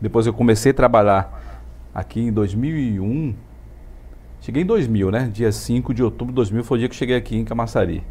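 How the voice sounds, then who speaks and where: A man speaks at a medium pitch with fairly even intonation. Vocal fry runs through his voice. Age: 30s. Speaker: podcast host. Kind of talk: casual interview chat. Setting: studio.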